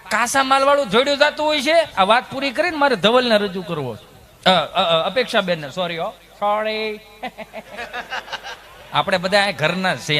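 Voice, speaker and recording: High, bright Kathiawadi comedian. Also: male voice. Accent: Kathiawadi Gujarati. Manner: animated, mimicking people in his stories. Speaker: stand-up comedian. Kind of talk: stand-up comedy storytelling.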